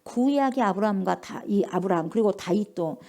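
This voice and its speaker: A middle-aged woman pastor preaching a lively sermon, asking the congregation questions and acting out little dialogues. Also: medium pitch, fairly quick. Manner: lively call-and-response preaching, acts out dialogue.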